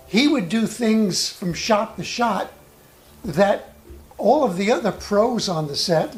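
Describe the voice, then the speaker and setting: An acting coach shares personal anecdotes while giving instruction, in a medium-pitched voice. The pace is slow and deliberate, with considered pauses.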